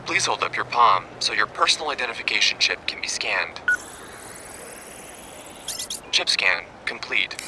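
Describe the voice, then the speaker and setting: A man's voice: fairly low pitch, very animated, a little fast, over music. A man voicing an impersonal automated checkpoint scanner in an audio drama, in clipped announcements. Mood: impersonal, procedural. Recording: noisy ambience behind the voice.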